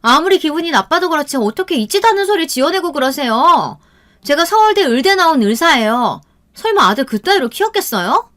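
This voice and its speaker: A woman's voice: sits high, normal speed, few pauses, a bit bright, voice pushed up. A woman voicing a haughty, scornful younger sister-in-law who scolds sarcastically in an audio storybook. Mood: indignant haughty.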